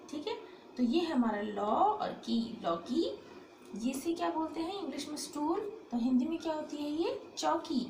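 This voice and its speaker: Woman teacher, high voice, slow careful syllables for small kids, echoey room with faint hiss. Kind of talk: children's Hindi lesson.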